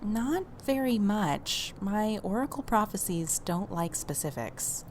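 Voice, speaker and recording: An upbeat young oracle, played by a woman in a natural-sounding audio drama. Her mid-range voice is very expressive and helpful in tone, with slight ambience behind it. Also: mid-range voice, slow, slight background noise. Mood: casual. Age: young adult.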